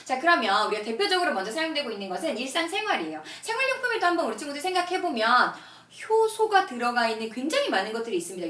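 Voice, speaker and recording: A woman's voice: a little high, a bit bright. A woman teaching an online science lesson, encouraging and explanatory, often asking students questions and answering them herself. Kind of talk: scripted-outline lecture addressed to students. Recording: roomy echo, voice distant from mic.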